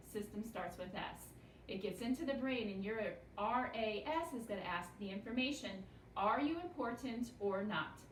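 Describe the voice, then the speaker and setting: Patient teacher, echoey room. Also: female voice, mid-range voice, far from the mic, slight background noise. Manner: slow, patient, sing-song call-and-response teaching. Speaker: elementary school teacher. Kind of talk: classroom lesson video.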